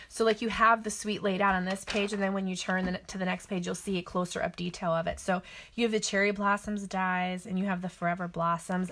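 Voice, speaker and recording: A woman's voice: medium pitch, fairly bright tone, slight background noise. A middle-aged woman hosting a casual catalog walk-through, chatty and gushing, thinking aloud as she shows her cards. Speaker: papercraft demonstrator.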